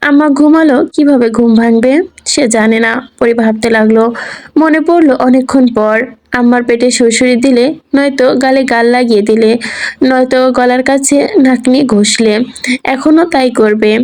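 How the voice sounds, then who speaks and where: A woman with a slightly high voice reads a romantic story aloud. Her narration is even and unhurried. She sounds like a storyteller settled into a long reading. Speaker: story reader. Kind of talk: scripted narration.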